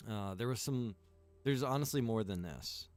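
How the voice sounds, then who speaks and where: A man's voice: mid-range voice, moderate pace, soft background music. A man who runs and develops a game server, chatting casually on a livestream, rambling with lots of fillers and listing features one by one.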